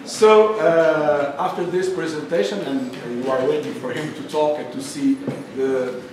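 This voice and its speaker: A man in his fifties from the Azores introducing a speaker on a stage, halting often with fillers and restarts. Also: a little high, fairly even intonation. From Portugal, Azores. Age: 50s. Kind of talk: hesitant formal introduction. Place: stage of a small venue, indoors. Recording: echoey hall from a distance, noisy.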